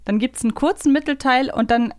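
A woman's voice: high-pitched, fairly quick, a little mellow. A woman co-hosting a podcast, chatting casually through a quiz and thinking aloud as she goes. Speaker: podcast co-host.

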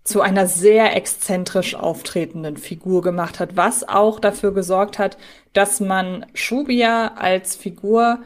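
A woman's voice: mid-range voice, fairly even intonation, measured pace. Female podcast host, mid-range voice, conversational moderation.

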